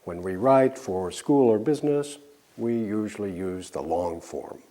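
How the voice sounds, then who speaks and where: A man teaching an English lesson, drilling example sentences slowly and clearly with pauses for learners to answer. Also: fairly low pitch, mellow. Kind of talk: slow scripted language lesson.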